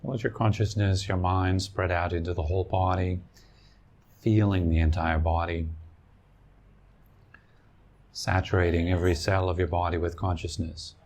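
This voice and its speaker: A man leading a guided meditation as a teacher, speaking gently and unhurriedly in short, spaced phrases. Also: sits low, little pitch movement, moderate pace, long pauses.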